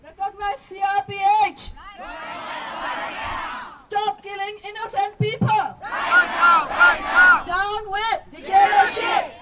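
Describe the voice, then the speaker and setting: A chant leader at an outdoor protest, shouting repeated slogans for the crowd to answer. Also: very high voice. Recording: distant recording with loud crowd and noise.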